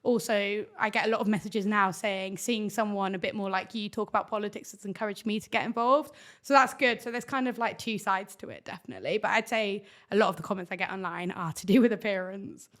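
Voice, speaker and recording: A young woman with a loud voice, chatting enthusiastically as a podcast guest, full of "like" fillers. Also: medium pitch, fairly even intonation, a little fast, few pauses. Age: young adult. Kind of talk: casual interview chat.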